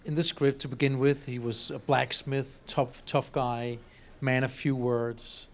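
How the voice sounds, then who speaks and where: A man's voice: medium pitch, level tone, measured pace, slight background noise. A man, a film director, explaining his work earnestly in slightly phrasing with light laughs. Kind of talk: panel interview.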